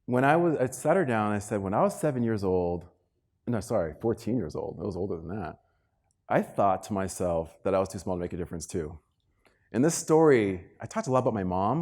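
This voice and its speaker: A man giving a motivational keynote to an audience, telling stories in an animated, emphatic way and acting out dialogue. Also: fairly low pitch. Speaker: keynote speaker. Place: live talk before an audience.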